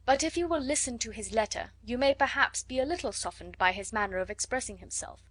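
A wry middle-aged gentleman, voiced by a woman reader, calm and measured, with dry teasing under his words. The voice stays fairly high and sits close and dry to the mic. He is a storybook father who enjoys his own jokes. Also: no room sound. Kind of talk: audiobook character voice.

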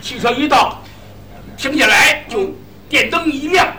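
High, bright-voiced crosstalk comic. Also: male voice, measured pace, distant mic, a little hiss or hum. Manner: lively, animated storytelling with sudden shouts. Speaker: lead comic storyteller.

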